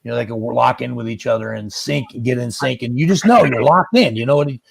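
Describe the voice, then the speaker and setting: A man's voice: mid-range voice, fast, vocal fry. A man in his fifties or older chatting casually as a musician guest, acting out bits of dialogue. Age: 50s or older. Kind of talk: casual chat.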